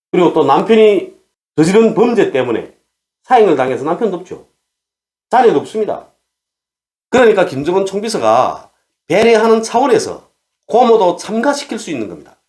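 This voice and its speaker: A man's voice: high voice, darkish tone. A man giving solo commentary and arguing his point, full of rhetorical questions. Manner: argumentative, asks rhetorical questions. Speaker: commentator on North Korea.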